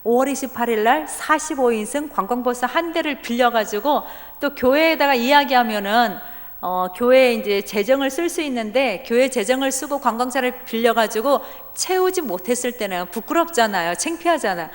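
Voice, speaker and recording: A woman deaconess giving a testimony at a church service, telling her story in a lively way and acting out the dialogue. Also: on the high side, moderate pace. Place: church sanctuary. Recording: church hall reverb.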